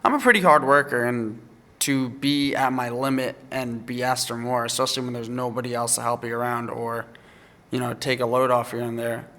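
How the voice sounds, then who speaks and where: A man's voice: mid-range voice, steady tone, a little fast, sharp tone. A man talking casually about his own experience in an interview.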